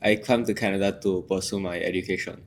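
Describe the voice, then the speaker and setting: A man's voice: deep voice, fairly even intonation, quick pace. A seventeen-year-old young man from Singapore with a strong Singaporean accent, giving plain, brief answers as an interview guest. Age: late teens.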